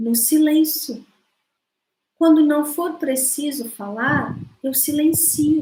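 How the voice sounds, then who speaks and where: Speaking at a very slow pace, the woman has a high pitch and a dark, mellow tone. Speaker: spiritual teacher. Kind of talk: spiritual lecture. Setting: livestream.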